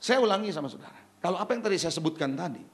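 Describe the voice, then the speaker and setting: A man's voice: high voice, expressive, very fast. A male pastor preaching an emphatic sermon, firing rhetorical questions at the congregation and slipping English phrases into his talk.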